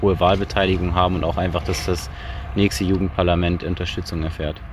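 A man's very deep, low voice at a fairly quick pace, fairly even in intonation, over noticeable background noise. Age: young. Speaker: youth parliament member. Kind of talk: casual group interview.

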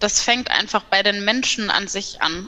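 A woman at a medium pitch, speaking at a fairly slow pace over noticeable background noise. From Ruhr area, Germany. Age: 20s. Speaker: patient advocate. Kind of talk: panel discussion. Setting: video call.

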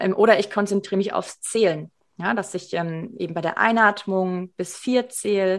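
A woman's plain, everyday voice at medium pitch and moderate pace, in a very clean recording with a silent background. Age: 30s. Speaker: relaxation and stress coach. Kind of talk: interview.

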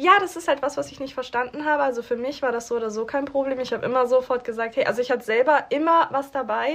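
A woman speaks very fast in a high pitch, with hardly any pauses. Her pitch varies in an ordinary way. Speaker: podcast co-host. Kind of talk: casual chat.

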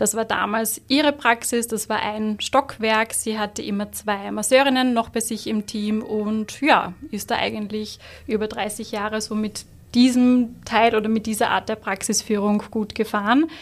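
This woman has a plain, everyday voice, pitched fairly high, moving at a fairly slow pace with fairly even intonation. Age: 20s. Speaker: physiotherapist and practice owner. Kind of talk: casual chat.

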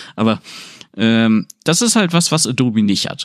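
A man at a medium pitch and fairly slow pace, with very wide pitch swings, in a dry, close sound with no echo. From East Frisia, northern Germany. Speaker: web analytics specialist. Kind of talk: casual chat. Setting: studio.

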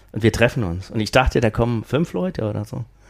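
The recording is very clean, with a silent background. A man talks in a medium pitch. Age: 40s. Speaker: automotive engineer and manager. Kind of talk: interview.

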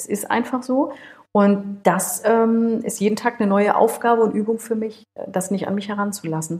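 Somewhat breathy and fairly high in pitch, a woman speaks at a moderate pace with fairly even intonation. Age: 50s. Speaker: coaching client, finance industry employee. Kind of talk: interview.

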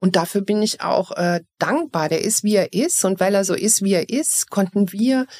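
At a fairly slow pace, a woman speaks with a medium pitch in a dry, close recording with no echo. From Belgium, Eupen (German-speaking community). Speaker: former music and fashion industry manager. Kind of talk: casual interview. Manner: loud.

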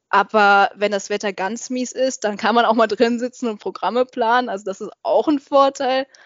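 A woman's unremarkable speaking voice, fairly high-pitched, at a moderate pace with ordinary pitch variation and hardly any pauses. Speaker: animal management graduate, dog trainer. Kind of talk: casual interview.

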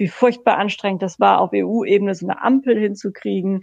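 A woman rattles along at a very fast pace in a medium pitch. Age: 30s. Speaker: designer and research team lead. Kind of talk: interview conversation. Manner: frequent fillers, hesitant.

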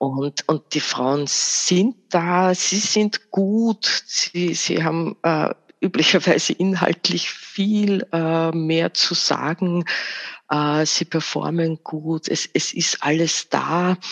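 Heard in a dry, close sound with no echo, a woman speaks very slowly at a fairly low pitch, with ordinary pitch variation and very even loudness. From Austria. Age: 50s. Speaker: slam poet and cabaret artist. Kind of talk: podcast interview. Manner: halting, frequent word repetitions.

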